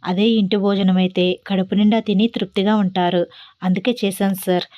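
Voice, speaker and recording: A woman voicing a caring young woman who talks gently and teases playfully, in a dull, dry recording. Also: medium pitch, flat delivery, brisk, dry recording, close to an everyday voice. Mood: earnest. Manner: gentle, persuasive, playfully teasing.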